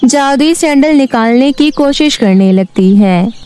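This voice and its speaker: A woman narrating a children's cartoon story in a steady, clear storytelling voice over faint music. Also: high-pitched, unhurried, a little hiss or hum.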